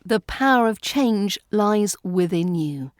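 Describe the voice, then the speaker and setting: British rp lady teaching accents, crisp careful delivery, dry close sound. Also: mid-range voice, lively intonation, slow pace, no echo. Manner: clear, instructive, carefully enunciated. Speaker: accent coach. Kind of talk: scripted teaching narration.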